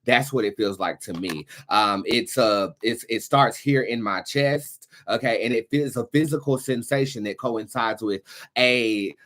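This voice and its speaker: A man's voice: medium pitch, a little slow, a bit bright. A man hosting an online show, giving a blunt, profane, campy motivational monologue with emphatic repetition. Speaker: show host, tarot reader and spiritual coach.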